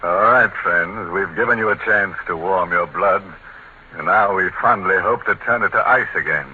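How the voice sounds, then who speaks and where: Deep-voiced 1940s radio host. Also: male voice, normal speed. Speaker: show host. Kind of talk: theatrical radio introduction. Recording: tinny hissy 1940s radio broadcast.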